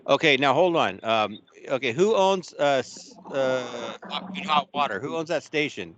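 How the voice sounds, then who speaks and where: A man's voice: medium pitch, animated, normal speed, fairly bright tone, lo-fi sound, a little hiss or hum. A man chatting casually, rambling and losing his thread mid-sentence. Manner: rambling, trails off mid-thought. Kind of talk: casual chat.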